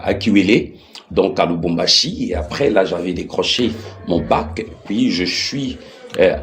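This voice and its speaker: A middle-aged man from the Democratic Republic of the Congo, a political activist appearing as an interview guest, speaks with a Congolese accent in a low, deep voice with some vocal fry. He explains things conversationally, in halting phrases he often restarts and repeats.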